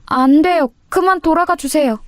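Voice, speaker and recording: A woman's voice: high-pitched, normal speed, no echo, studio quality, faint music behind, pitched above the performer's own voice, natural voice. A woman voicing a frightened teenage schoolgirl who speaks in a timid, pleading way.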